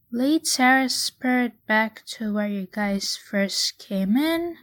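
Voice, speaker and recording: A woman's voice: mid-range voice, a bit bright, natural voice. A woman playing a young adventurer in an audio drama, with a plain spoken delivery. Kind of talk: amateur audio drama acting.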